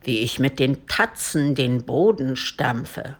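A large, menacing male dragon from a storybook, speaking low and growling, as a woman puts him on. He threatens slowly and heavily. The voice drops well below the reader's own. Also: lively intonation, exaggerated voice.

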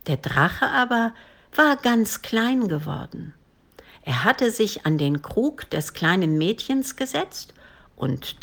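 A woman reading a children's story aloud in a calm, clear storytelling manner. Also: fairly low pitch.

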